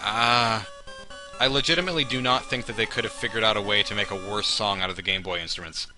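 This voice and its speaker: A man's voice: on the low side, quick pace, music in the background. A man giving humorous commentary on a video game in a wry, sarcastic manner with exaggerated reactions. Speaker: let's play host.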